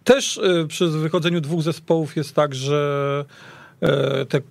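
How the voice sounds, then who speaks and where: A man discussing football as a studio guest, speaking haltingly and repeating words as he goes. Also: a little high, little pitch movement, creaky, no room sound. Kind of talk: casual analytical discussion. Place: radio studio.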